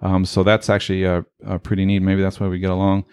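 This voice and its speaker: A man in his forties, a native Spanish speaker, hosting a casual interview and asking halting questions full of fillers and restarts. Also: low-pitched, completely flat delivery, a little mellow, clear, resonant tone, no room sound. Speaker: podcast host.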